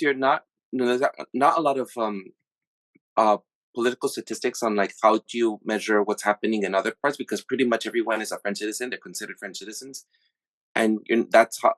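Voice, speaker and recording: A man from the USA hosting a podcast, talking through his thoughts in a halting, casual way with many restarts. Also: mid-range voice, a bit bright, dry recording, rough recording. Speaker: podcast host. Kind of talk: casual reflective monologue.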